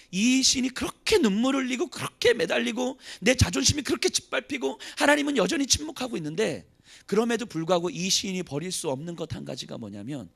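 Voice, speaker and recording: High, gravelly-voiced man preaching with feeling. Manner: emotional preaching, swinging from loud pleas to hushed near-whispers. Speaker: pastor. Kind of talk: sermon. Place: church service.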